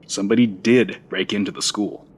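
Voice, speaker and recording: An actor playing a blunt, exasperated man who works at a school, in an audio drama, husky and dry. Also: fairly low pitch, fairly even intonation, brisk. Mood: exasperated, defensive. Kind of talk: naturalistic audio drama acting.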